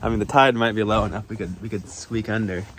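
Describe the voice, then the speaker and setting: A man in his thirties with a fairly low voice talks easily to his phone camera while sailing, letting his thoughts wander from one topic to the next. He is outdoors on the deck of a small boat, and wind and water noise run clearly behind him. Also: fast. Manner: relaxed, thinking aloud, drifting between topics. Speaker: sailing vlogger. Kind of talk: casual vlog narration. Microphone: phone camera held at arm's length.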